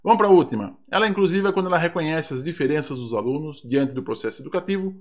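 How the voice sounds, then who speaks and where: A man's voice: on the high side, lively intonation, fast. A man with a Brazilian Portuguese accent, a teacher reviewing mock exam questions in an online lesson, reading aloud with ironic asides.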